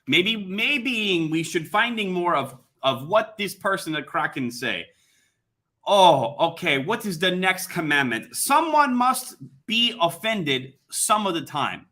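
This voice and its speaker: Villain caricature: pompous, scolding, thick German accent, broken English, pitched up and sharp, livestream comedy. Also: male voice, sing-song, heavily acted. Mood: menacing, scolding. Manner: slow, theatrical, haughty, scolding. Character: pompous, scolding authoritarian male villain named Klaus, globalist caricature.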